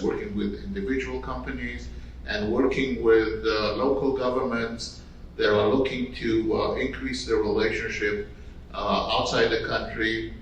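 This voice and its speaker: A man from Israel speaking on a conference panel, halting with many fillers. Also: fairly low pitch, fairly bright tone, slight background noise. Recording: echoey hall, distant mic.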